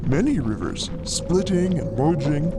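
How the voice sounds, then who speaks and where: Over a loud bed of rumbling ambience, an excitable little froggy explorer holds forth. He lectures in long, wordy, delighted explanations, as in an audio drama. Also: unhurried, noisy background. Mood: lecturing, enthused. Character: eager, frog-like male cosmic explorer, gleeful theorizing savant. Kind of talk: acted fiction podcast dialogue.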